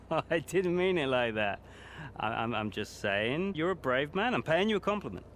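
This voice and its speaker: A smug racer who gossips and mocks, lively pitch, faint background noise. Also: male voice, a little slow. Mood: teasing. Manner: teasing, mocking, laughs a lot. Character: smug gossiping male racing driver, mocking.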